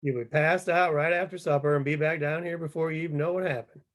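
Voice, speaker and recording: A man's voice: a little high, steady tone, fast, a bit bright, lightly acted. A man playing a grim, hard-bitten, wary coal miner in a screenplay table read, with a folksy, dour manner. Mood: grim explaining.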